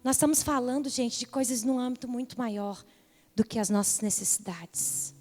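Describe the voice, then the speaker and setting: A woman's voice: on the high side, moderate pace, darkish tone, in a large hall, faint music behind. A young woman pastor preaching a sermon with impassioned, rising repeated calls.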